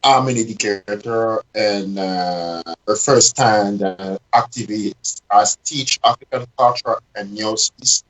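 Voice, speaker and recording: A man from Congo who works as an educator, introducing himself on a talk show in a measured, hesitant way. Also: fairly low pitch, fairly bright tone, rough recording. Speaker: educator and guest.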